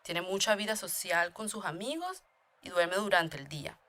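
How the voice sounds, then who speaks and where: A woman's voice: fairly low pitch, lively intonation, normal speed, fairly bright tone. A woman reading a scripted chatty dialogue for a beginner language lesson.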